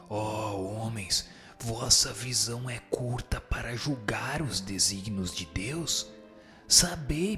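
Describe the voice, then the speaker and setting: Man playing a solemn spirit teacher, bright forceful voice. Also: on the low side, heavily acted. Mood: admonishing, exalted. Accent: Brazilian. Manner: solemn, didactic, rhetorical, formal. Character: wise, solemn male spirit teacher admonishing humans. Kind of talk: radio drama reading of a spiritist text. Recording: music behind the voice.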